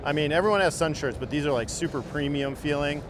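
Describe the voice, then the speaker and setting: A man's voice: on the high side, fast talker, background noise. A man working as a company rep, explaining products in an enthusiastic demo. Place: busy indoor trade show floor.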